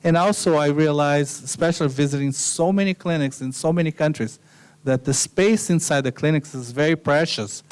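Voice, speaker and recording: Man giving a smooth, relaxed slide lecture. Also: on the high side, moderate pace. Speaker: guest lecturer.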